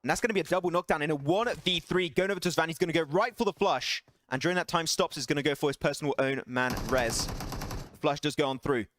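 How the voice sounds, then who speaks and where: A man casting an esports match alone, excitable and chatty, laughing and bantering with his stream chat between calls. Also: a little high, fast, slight background noise. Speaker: esports caster. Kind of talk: solo esports play-by-play commentary.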